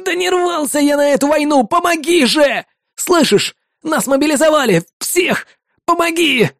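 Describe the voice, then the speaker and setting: A man's voice: high voice, animated, moderate pace, a little mellow, slightly rough, no room sound, clean studio sound, pitched above the performer's own voice. A man reading an audiobook who voices a panicked, wounded male soldier trapped in wreckage, crying, shrieking and begging in pain. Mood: desperate pleading. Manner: shrieking, pleading, sobbing. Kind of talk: audiobook character voice.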